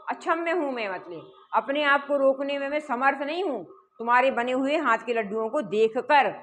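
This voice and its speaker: ऊँची आवाज़ में समझाती शिक्षिका. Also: female voice, fairly high pitch, fairly bright tone, a little hiss or hum. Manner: explains word by word, asks and answers own questions. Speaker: Sanskrit teacher. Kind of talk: explaining a textbook chapter.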